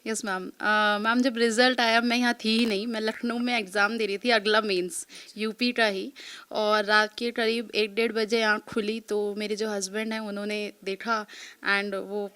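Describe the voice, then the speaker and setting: This Delhi woman in her thirties, an exam topper, answers a reporter's interview questions politely, repeatedly addressing her as ma'am and mixing English words into her speech. Her medium-pitched voice has little pitch movement and a sharp, clean tone at a normal speed.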